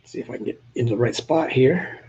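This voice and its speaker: Older man, from New Hampshire, slight southern drawl, chatty live-stream host, mellow husky voice. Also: medium pitch, fairly quick, highs cut off. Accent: Southern US with New England traces. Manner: chatty, joking, talks to viewers in chat. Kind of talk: casual live-stream chat showing old photos.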